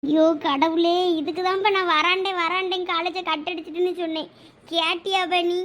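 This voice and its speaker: A woman's voice: very high-pitched, steady tone, fairly quick, fairly bright tone. A woman with a Thoothukudi Tamil accent voicing a fretful college girl in a cartoon, exclaiming in panic and scolding her friend. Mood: panicked, scolding. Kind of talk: cartoon voice acting.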